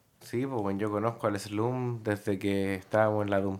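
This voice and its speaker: A man speaks in a Chilean accent with fairly even intonation. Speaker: trap musician. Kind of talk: casual chat.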